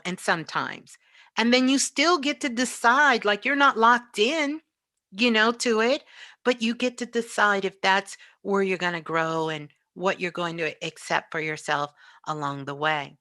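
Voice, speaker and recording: A woman's voice: medium pitch, pushed and bright, no room sound, clean studio sound. A woman speaking reflectively and conversationally as an interview guest and spiritual teacher, often checking in with the listener. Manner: frequently checks in with "you know".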